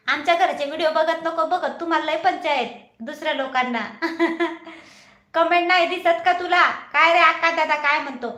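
Woman livestream host, high bright voice, unhurried, teasing, laughs a lot, echoey room. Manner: chatty, teasing, laughs often. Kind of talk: casual live chat reading viewer comments.

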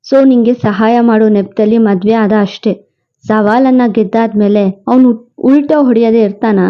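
A woman narrating a romance story and voicing every character in an expressive, quick reading. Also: on the high side, highs cut off. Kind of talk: storybook narration with voiced dialogue.

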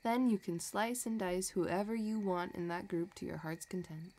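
A woman playing a possessive, scheming villain in a romantic audio roleplay, talking in a soft, teasing, calculating way. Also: lowish voice, normal speed. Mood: teasing, sly. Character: possessive, scheming female villain obsessed with her crush.

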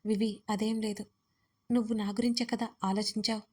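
A woman voicing a devoted young man in an audio story, speaking softly and soothingly. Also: medium pitch, level tone, moderate pace, natural voice. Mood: tender. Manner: soft, soothing, tender pleading.

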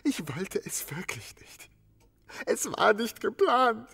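A man acting in an audio drama as a distraught innkeeper making a confession, halting and breaking into whispers. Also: high-pitched, very animated, gravelly, sharp tone, breathy edge, exaggerated voice. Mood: anguished, pleading. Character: distraught innkeeper confessing to killing his wife.

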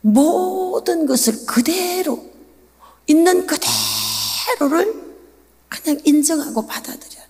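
A woman voicing God the Father, speaking in slow, drawn-out pronouncements that rise to shouts, with a long hall reverb. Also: sits high, expressive, voice pushed up, full character voice. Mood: commanding. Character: God the Father, gentle yet commanding.

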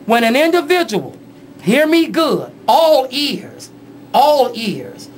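A man preaching on a church radio show in a small studio, forceful and demanding attention. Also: very high-pitched, very animated, takes it slowly, slight background noise, poor audio.

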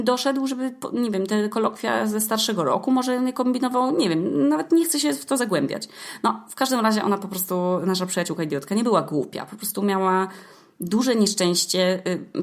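A young woman hosting a podcast, telling a story casually in slangy, hesitant speech with swearing and many filler sounds. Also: medium pitch. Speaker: podcast host.

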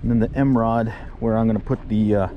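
A man's voice: lowish voice, steady tone, fast, dull audio, a little hiss or hum. A man casually narrating his fishing trip from a pond pier, chuckling as he explains his gear and catches. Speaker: fishing vlogger. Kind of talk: casual fishing vlog commentary. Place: outdoors at a park pond on a pier. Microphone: action camera.

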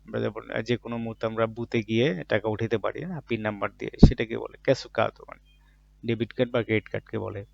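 This Bangla-language lesson on Japanese vocabulary features a lowish male voice with vocal fry, quick pacing and little pitch movement, captured dry, dull and muffled in a dry room. After saying each word, he illustrates it with everyday examples, frequently posing questions and answering them himself.

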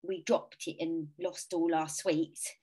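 A woman voicing an eager, excitable young boy. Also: sits low, takes it slowly, slightly rough, full character voice.

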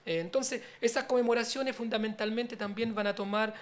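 A middle-aged man, born in Chile and raised in France, speaking as a politician guest in a studio interview, earnest and explanatory with many fillers and restarts, into a boom-mounted studio mic. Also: steady tone, a little fast. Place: small TV-radio studio. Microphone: studio mic on boom arm.

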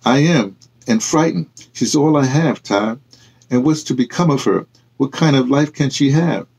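A man's voice: medium pitch, creaky, darkish tone, breathy edge, pitched above the performer's own voice. A man reading aloud and voicing a proud, wounded middle-aged planter, stumbling and restarting over the words. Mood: anxious. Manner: halting read-aloud with restarts.

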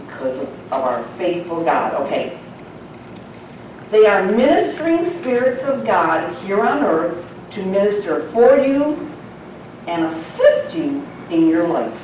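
A woman's voice: lowish voice, darkish tone, slight background noise. A woman teaching the Bible to a church congregation in a folksy, chatty way, laughing often. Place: church sanctuary. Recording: echoey church hall from far off.

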